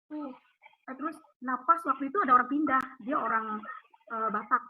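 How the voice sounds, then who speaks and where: A woman tells her faith testimony over a call, in an emotional, rushed, vivid way. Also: high-pitched. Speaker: guest giving a faith testimony. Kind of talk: casual storytelling over a call. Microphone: phone or video call. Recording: tinny phone line with faint hiss.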